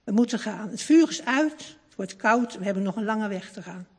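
A woman voicing a patient, gently firm father as she reads a children's story aloud. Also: mid-range voice, normal speed, slightly rough. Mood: calm. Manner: calm, explaining, gently firm. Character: patient outdoorsy father, a grown man. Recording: long hall reverb.

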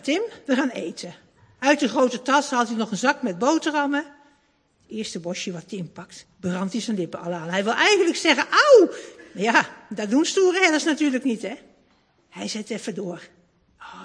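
A woman reading a children's story aloud in a warm, expressive, lingering way. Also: a little high, slightly rough. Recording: long hall reverb.

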